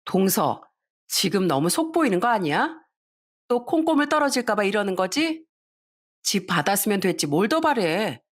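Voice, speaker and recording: Brief: woman voicing a spoiled daughter-in-law, whiny and scolding, animated pitch, story radio. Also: normal speed. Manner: whiny, petulant, sharp-tongued.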